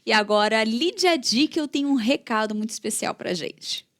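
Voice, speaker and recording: A woman co-hosting a church news show, playful and quick to laugh in casual chat. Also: a little high, expressive, faint music behind.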